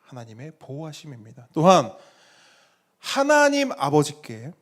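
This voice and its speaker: Animated Korean-speaking male pastor preaching. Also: on the high side. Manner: animated preaching with dramatic pauses and acted quotes. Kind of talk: sermon.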